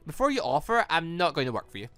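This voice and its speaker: A man's voice: on the high side, sing-song, fast, fairly bright tone, faint music behind. A man voicing a guarded, dutiful young male student team leader in a visual novel, speaking plainly and carefully. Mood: reluctant, firm. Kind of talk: visual novel character reading.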